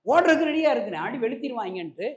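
A man preaching a fervent sermon, leading the congregation in loud prayer and rising to shouted pleas. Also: very high-pitched, sing-song, very fast. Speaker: pastor. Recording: echoey hall, speaker far from mic.

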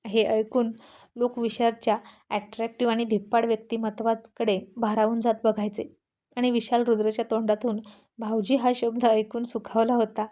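A woman reads a serialized family story aloud in an expressive, lively way. Her voice is fairly high yet warm and mellow. She carries the story along with clear, expressive storytelling. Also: moderate pace.

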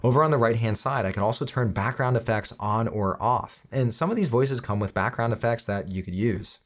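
A man in his thirties hosting a software tutorial, explaining each step in a clear, instructional way straight to the viewer. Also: medium pitch, brisk. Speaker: tutorial host.

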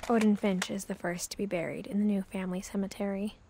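Actress playing a young female narrator, soft, hushed, storybook tone, faint background hiss. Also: mid-range voice, steady tone, quick pace, vocal fry, natural voice. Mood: calm. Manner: soft, hushed storytelling, often near a whisper. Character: young woman narrating her family's history. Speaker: game narrator. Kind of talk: scripted game narration.

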